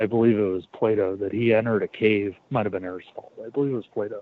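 A man's ordinary speaking voice, fairly low in pitch, at a fairly quick pace with fairly even intonation. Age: 40s. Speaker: podcast host and magazine publisher. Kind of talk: casual interview chat.

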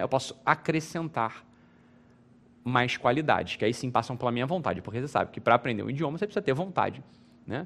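With a Brazilian accent, a man speaks in an animated tone with lively intonation, recorded very cleanly against a silent background. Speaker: teacher and author on temperaments. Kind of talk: lecture.

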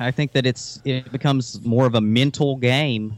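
Here a man speaks with an American accent. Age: 30s. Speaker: fitness podcaster and bodybuilder. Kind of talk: casual chat.

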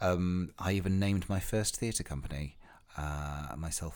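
A man with a London accent and ordinary pitch variation, on a very clean recording with a silent background. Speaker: podcast host. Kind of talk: solo monologue, casual tour-guide style. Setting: home studio. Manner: frequent ums and uhs, halting.

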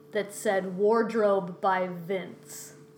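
A woman's very slow speech with an American accent, ordinary pitch variation, and noticeable background noise. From US. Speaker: podcast co-host. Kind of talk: casual chat.

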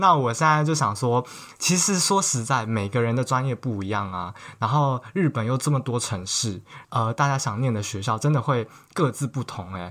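On a very clean recording with a silent background, a man at a medium pitch speaks at a moderate pace with an animated tone and lively intonation. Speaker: podcast co-host, former architecture student in Japan. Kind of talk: casual chat. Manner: animated, laughing often.

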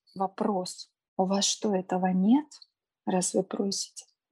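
The voice is somewhat breathy, with a dark, mellow, warm tone, a very slow pace and a dry, close sound with no echo. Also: woman, long, frequent pauses. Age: 40s. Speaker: storyteller sharing life story. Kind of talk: personal testimony; spoken affirmations. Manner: warm and emotive.

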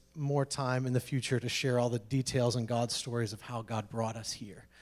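On a very clean recording with a silent background, a man at medium pitch speaks with fairly even intonation. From Western New York. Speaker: pastor. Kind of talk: self-introduction in church service.

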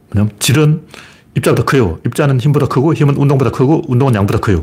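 A man talks at a very fast pace. His medium-pitched voice carries vocal fry. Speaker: political and philosophy commentator, YouTube host. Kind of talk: solo livestream commentary and lecture. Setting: live video stream with camera and mic. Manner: rambling, digressive.

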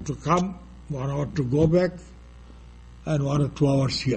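With ordinary pitch variation, a man talks in a somewhat breathy voice at a fairly high pitch. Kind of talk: lecture.

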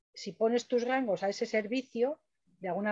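A woman's plain, everyday voice at a moderate pace, with ordinary pitch variation and a dry, close sound with no echo. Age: 60s. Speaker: conflict facilitator. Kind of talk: lecture. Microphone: unstable rural internet connection.

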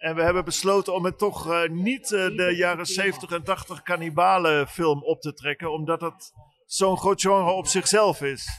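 High-pitched for a man, his voice moves at a fairly slow pace with hardly any pauses and fairly even intonation. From Netherlands, Rotterdam. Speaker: film festival organizer. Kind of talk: casual chat. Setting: live recording at a film festival.

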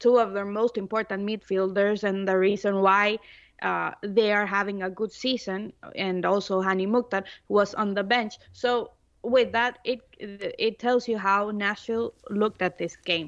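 A woman speaks at medium pitch and a fairly slow pace. All is quiet in the background. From Honduras. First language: Spanish. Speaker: sports podcast co-host. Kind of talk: casual sports podcast discussion. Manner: animated.

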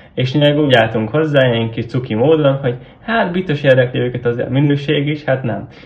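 A man with a medium pitch and ordinary pitch variation talks over noticeable background noise. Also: fairly quick pace. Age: 20s. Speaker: entrepreneur. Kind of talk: interview. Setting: video call.

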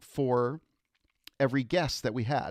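The delivery moves at a moderate pace. The sound is dry and close, with no echo. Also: man. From US, New Jersey. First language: German. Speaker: entrepreneur and business owner. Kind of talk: casual interview chat. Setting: video call.

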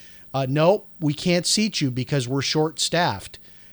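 In a very clean recording with a silent background, a man with a fairly high pitch and an ordinary speaking voice talks at a moderate pace with ordinary pitch variation. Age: 50s. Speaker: radio talk show host. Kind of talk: talk radio monologue. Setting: studio. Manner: many filler words (uh).

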